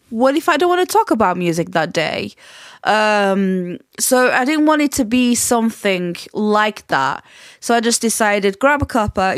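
Chatty Portuguese-accented woman, unhurried. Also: medium pitch, no room sound, studio quality. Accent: Portuguese, with a slight Yorkshire twang. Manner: chatty, rambling, many fillers and restarts. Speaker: podcast host. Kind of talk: casual solo podcast monologue.

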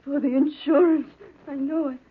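Very high-pitched frightened pleading woman. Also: steady tone, a little slow. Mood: weeping, desperate. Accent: American. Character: frightened, pleading women in mortal peril. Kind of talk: 1940s radio drama acting. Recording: noisy, muffled 1940s radio recording.

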